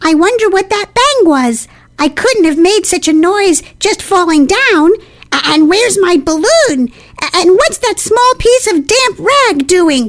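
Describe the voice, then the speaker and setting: In a put-on character voice, a woman speaks fairly slowly at an extremely high, squeaky pitch, with very wide pitch swings and very even loudness. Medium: read story. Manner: nervous, stammering.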